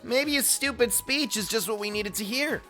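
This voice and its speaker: A woman's voice: on the high side, normal speed, pushed and bright, faint music behind. A woman streaming a video game, jokey and playful, reading the dialogue aloud with dramatic reads.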